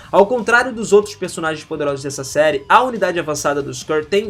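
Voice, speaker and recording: This man has a Carioca accent, a high pitch and lively intonation. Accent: Carioca (Rio de Janeiro). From Brazil, Rio de Janeiro. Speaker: anime YouTuber. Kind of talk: casual video commentary. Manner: casual slangy delivery.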